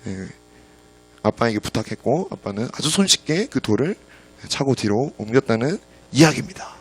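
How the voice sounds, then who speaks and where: A male preacher delivering a sermon, telling a story and often filling pauses with a soft "yes.". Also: mid-range voice, sing-song, breathy edge. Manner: fills pauses with frequent "yes". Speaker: pastor.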